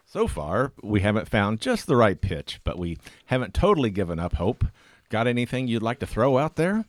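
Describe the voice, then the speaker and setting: Brief: man as a glum volunteer, mid-pitched but swinging, dry room. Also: very animated, moderate pace, no echo. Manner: dry, grumbling. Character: gloomy male radio station volunteer. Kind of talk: radio comedy sketch acting.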